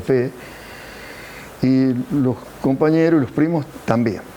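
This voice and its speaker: A man talks at medium pitch, with noticeable background noise throughout. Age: 70s. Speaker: son of immigrants telling family history. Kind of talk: personal storytelling interview.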